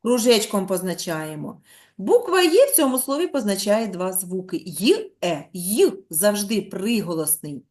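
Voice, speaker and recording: A woman primary school teacher giving an online lesson to young children. She dictates slowly, stretches out words and sounds out letters one by one, and keeps prompting the pupils with questions. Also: medium pitch, sing-song, a little mellow. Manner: drawn-out, slow dictation, sounding out letters and syllables.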